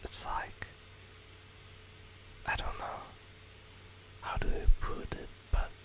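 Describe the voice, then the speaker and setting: Long, frequent pauses break up whispering at a very slow pace. Background noise is noticeable. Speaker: ASMR creator reading a book aloud. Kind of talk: ASMR book reading. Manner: whispered.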